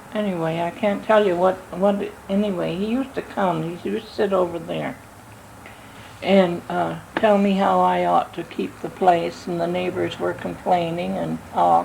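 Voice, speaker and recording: Moderately paced speech from a woman with an American accent, set against noticeable background noise. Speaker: oral history interviewee. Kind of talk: oral history interview. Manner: halting.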